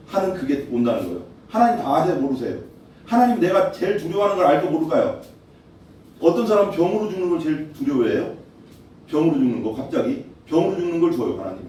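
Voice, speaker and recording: Preaching as a pastor, a man talks casually and keeps asking his congregation questions. His voice is mellow though fairly high for a man. Recorded from a distance in a very echoey church hall, he has faint noise behind him.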